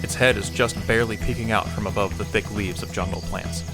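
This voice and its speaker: A man narrates an audio drama from a script, slipping in wry asides. His voice is somewhat low, and music plays clearly beneath him. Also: steady tone, a little fast.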